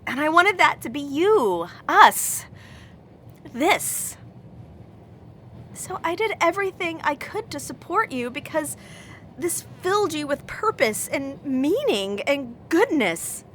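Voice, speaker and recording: An actress playing a devoted, wounded wife in an audio drama, speaking with emotional pleading. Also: female voice, high voice, very animated, slow, a bit bright, slight background noise, exaggerated voice. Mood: earnest, pleading.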